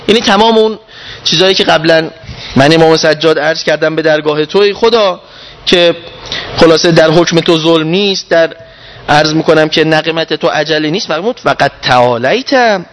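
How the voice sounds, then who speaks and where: A man teaching a class on a prayer text, reciting verses slowly and asking his listeners questions. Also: a little high, fairly bright tone. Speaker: religious teacher. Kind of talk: lecture explaining a prayer text.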